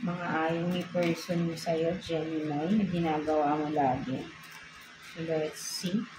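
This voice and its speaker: A woman with a Filipino accent gives a relaxed tarot reading, mixing two languages and checking in with "no?" after nearly every thought. Her voice sits a little low. The recording carries a noticeable room echo with steady background noise. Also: slow. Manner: code-switching, frequent tag "no?". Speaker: tarot reader.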